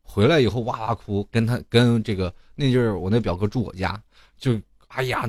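A man's voice: on the low side, brisk, a little mellow, no room sound, clean studio sound. A young man, giving a comedic monologue full of rhetorical asides and chuckles. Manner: rhetorical asides, chuckling while telling stories. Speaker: host.

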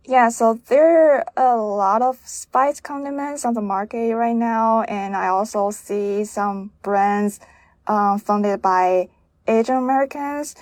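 A woman hosts an interview, posing her questions in a curious, measured way. Her voice sits a little high and sounds dry and close to the mic. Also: a little mellow, no echo. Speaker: interviewer, host.

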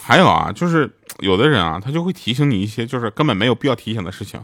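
A young man rattles off one-liners at a brisk clip in a deadpan comic monologue. He slips in and out of the voices of the people in his stories. The sound is dry and close, with no room echo. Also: mid-range voice, faint music behind. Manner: deadpan storytelling, acting out the voices in his anecdotes. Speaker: stand-up comedian. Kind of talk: comic monologue of short jokes.

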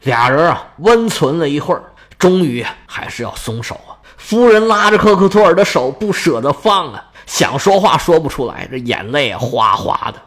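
A man retelling an epic as a lively, colloquial story, dramatic and playful, slipping into character voices. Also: on the high side, normal speed.

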